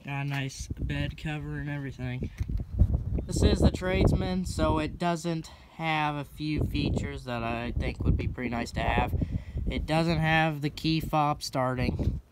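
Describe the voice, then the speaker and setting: A young man in casual vlog talk, filming himself on a phone at arm's length in a pickup cab, relaxed and rambling with lots of ums and restarts. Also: on the high side, a little slow, heavy background noise. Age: young adult. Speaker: farm vlogger. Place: inside a pickup truck cab and outdoors around it. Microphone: phone held at arm's length.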